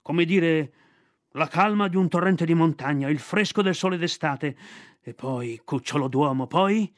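A man voicing a gruff, stern yet fond old bear who teaches a boy the jungle's laws. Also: fairly high pitch, measured pace, no echo, clean studio sound, natural voice. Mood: gruff, scolding.

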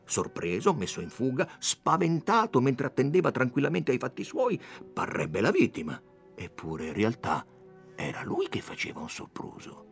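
A man giving a dramatic reading of a classic novel, expressive and animated. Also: gravelly. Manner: expressive, raises pitch for quoted characters. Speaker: audiobook reader.

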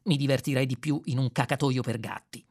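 Dry muttery grumpy alien guy, a man reading him, low-key. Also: fairly even intonation, brisk, darkish tone, close to an everyday voice. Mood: grumbling. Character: grumpy sardonic male alien traveller.

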